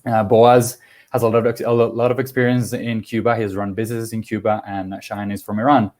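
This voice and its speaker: A man from Venezuela whose first language is Spanish, moderating a panel conversationally and haltingly, often restarting phrases. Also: fairly low pitch, little pitch movement, darkish tone.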